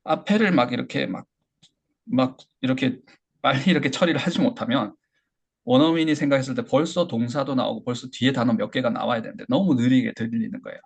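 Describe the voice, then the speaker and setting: A man teaching English pronunciation in a lecture, explaining step by step and modeling phrases slowly for learners to repeat. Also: mid-range voice, creaky, husky. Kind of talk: online lecture.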